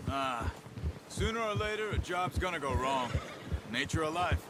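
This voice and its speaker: An actor playing a wary, self-reliant Western outlaw tracker in a video game, terse and plain-spoken, with an American accent. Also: male voice, on the high side, animated, moderate pace, close to an everyday voice. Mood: frank, reflective. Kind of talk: video game character dialogue. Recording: loud music behind the voice. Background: loud game music.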